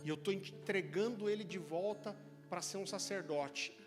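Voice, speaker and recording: A man with a Brazilian accent quoting a devout, grave mother in a sermon, speaking in a solemn, hushed way. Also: high-pitched, moderate pace, close to an everyday voice. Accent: Brazilian Portuguese. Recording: church hall reverb with music.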